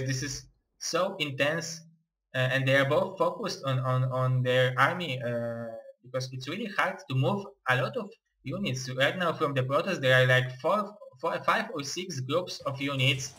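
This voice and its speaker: A young man with an Eastern European accent, giving live play-by-play game commentary in halting, excitable non-native English. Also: medium pitch, poor audio. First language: not English.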